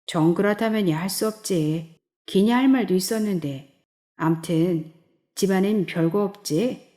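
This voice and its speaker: A woman's voice: mid-range voice, unhurried, mellow, lightly acted. A woman voicing a pushy, commanding middle-aged male friend in an audiobook reading. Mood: bossy. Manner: commanding, needling.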